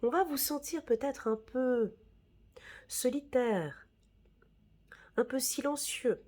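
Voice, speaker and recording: Lady doing a tarot reading, bit husky, chatty and reassuring, lots of "d'accord?". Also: sits high, slow pace, a little mellow. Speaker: tarot reader. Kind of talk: casual tarot reading monologue.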